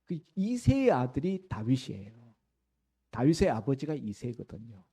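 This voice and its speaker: A middle-aged man, a pastor, preaching a sermon in an animated storytelling way, raising his voice for the cries in the text. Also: mid-range voice, moderate pace, husky.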